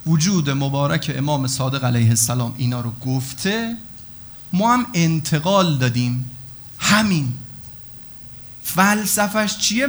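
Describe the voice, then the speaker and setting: A male cleric gives an animated sermon in a high voice. He acts out back-and-forth exchanges with God and answers rhetorical questions one by one.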